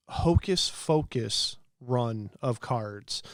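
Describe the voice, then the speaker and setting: A man is speaking. The sound is dry and close, without any echo. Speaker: sports card collector and show host. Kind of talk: casual video monologue. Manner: halting, many fillers.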